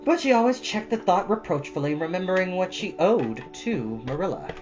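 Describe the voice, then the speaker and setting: A woman reading a children's story aloud, with casual, gently advising asides to young listeners. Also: lowish voice, sing-song, moderate pace, lo-fi sound, over music. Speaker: storytime reader.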